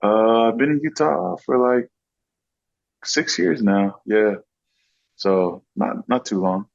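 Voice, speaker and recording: A man's voice: mid-range voice, slow pace, gravelly, dull audio. A man in his thirties, born in American Samoa and raised in Southern California, talking casually and easily as an interview guest. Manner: relaxed, easygoing, laughs often. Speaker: guest, content creator.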